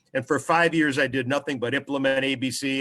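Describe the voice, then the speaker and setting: A man's medium-pitched voice with an American accent and fairly even intonation, music in the background. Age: 70s. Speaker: management accounting consultant and author. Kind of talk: webinar presentation.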